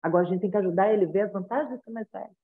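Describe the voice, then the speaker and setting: A woman's voice: mid-range voice, rapid-fire. Brazilian lady parenting coach on a video call, chatty, keeps asking "right?", sounds thin like a phone line. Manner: conversational, frequent tag questions, acts out child and parent lines. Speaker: parenting consultant. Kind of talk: advising parents in a consultation.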